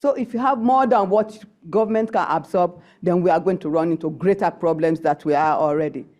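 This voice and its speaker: A middle-aged woman, a nurse and council member, giving an impromptu comment at a conference session in a deliberate, emphatic, halting way. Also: fairly low pitch, darkish tone.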